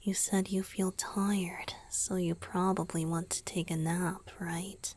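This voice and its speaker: A woman voicing a tender romantic young male vampire boyfriend in a gentle, breathy whisper for an ASMR roleplay. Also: lowish voice, little pitch movement. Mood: gentle, caring. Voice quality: breathy, airy. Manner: slow, gentle, intimate.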